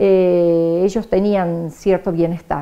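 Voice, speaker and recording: This woman talks at a medium pitch. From Argentina, Catamarca. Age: 60s. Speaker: history professor. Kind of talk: testimony. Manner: halting.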